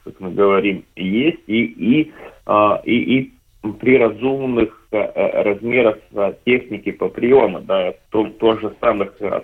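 A man with a fairly low, husky voice comes through a tinny phone line. He explains things haltingly, breaking off and restarting words as he goes. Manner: halting, many fillers and restarts. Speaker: deposit system operator representative. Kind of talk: hesitant explanatory talk on radio.

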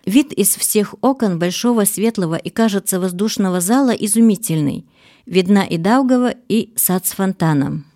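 A woman's voice: medium pitch, normal speed, warm tone. A woman radio reporter reading scripted feature narration.

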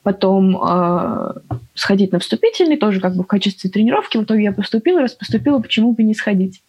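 Relaxed teen girl, breathy. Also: mid-range voice, fast, poor audio. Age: teens. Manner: relaxed, filler-heavy. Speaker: guest, high school student. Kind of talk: casual talk.

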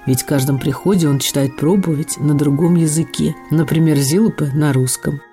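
A woman who hosts a radio program, reading her introduction and interviewing a guest with clear, composed delivery. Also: low-pitched, moderate pace, dark tone, faint music behind. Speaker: radio host. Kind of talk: scripted presenting and interview.

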